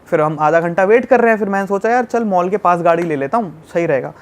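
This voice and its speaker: Young male podcast guest, high-pitched, lively storyteller who acts out scenes. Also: quick pace. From Delhi, India. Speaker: travel YouTuber guest.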